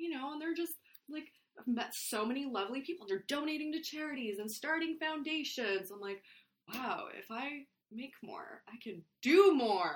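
A woman's high-pitched voice with very wide pitch swings and big swings in loudness. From Canada, born in Bosnia. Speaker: photographer. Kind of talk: casual chat.

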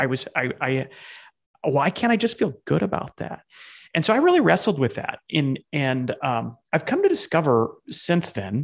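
A man talks with very wide pitch swings. His voice is somewhat breathy. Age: 40s. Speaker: podcast host. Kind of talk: casual chat.

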